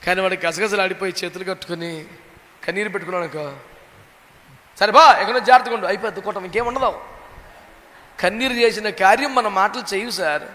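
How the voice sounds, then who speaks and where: A man's voice: high-pitched, fast talker, pushed and bright. A man preaching a sermon as a pastor, dramatically acting out the voices he quotes. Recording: long hall reverb.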